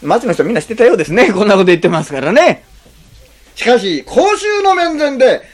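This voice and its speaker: A pastor preaching in an easy, conversational way, putting question after question to the listeners. The pitch rises and falls widely from phrase to phrase, and short quoted lines are acted out in changing tones. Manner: conversational, poses rhetorical questions to the congregation. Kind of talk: sermon.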